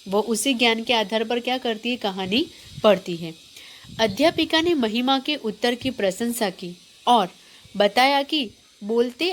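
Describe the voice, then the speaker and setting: A woman teacher giving a grammar lesson to schoolchildren, reading from the textbook and asking the class questions. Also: a little high. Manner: explains, then repeats points as questions to the class; reads textbook passages aloud, then explains them.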